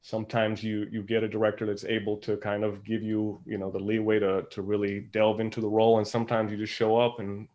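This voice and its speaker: A man with a fairly low voice talks as a guest actor in a relaxed panel conversation. He is informal and reflective as he explains his experience. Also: brisk, few pauses, highs cut off.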